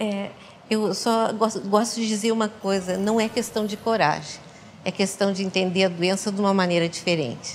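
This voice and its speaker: A woman with an unremarkable speaking voice talks at a medium pitch and a moderate pace, keeping her intonation fairly even. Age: 60s. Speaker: person living with HIV, TV guest. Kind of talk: TV interview.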